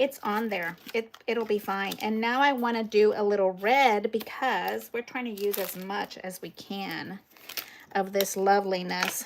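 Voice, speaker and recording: A woman with an American accent, medium-pitched, at a fairly slow pace, against noticeable background noise. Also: fairly even intonation. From Texas, Houston. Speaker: crafting channel host. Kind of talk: live craft tutorial on video call. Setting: live video call. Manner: halting, many fillers.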